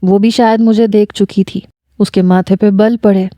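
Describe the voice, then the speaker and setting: A woman narrating a first-person story in a calm, measured reading. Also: medium pitch, no room sound.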